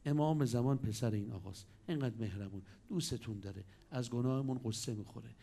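A man preaching a sermon, telling stories with sudden swings between loud and hushed delivery. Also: mid-range voice, creaky.

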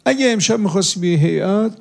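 An impassioned man delivers a sermon to young listeners at a religious gathering. He pleads with them in an earnest, urgent way. He slows down whenever he recites a sacred saying. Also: high-pitched, lively intonation, vocal fry. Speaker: preacher.

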